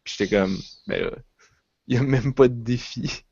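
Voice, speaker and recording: A man's voice: mid-range voice, wildly swooping pitch, moderate pace, vocal fry, a little mellow, slightly rough, dry recording, highs cut off. A man with a Quebec French accent chatting casually on a podcast, rambling with restarts and fillers. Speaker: podcast co-host. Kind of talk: casual chat.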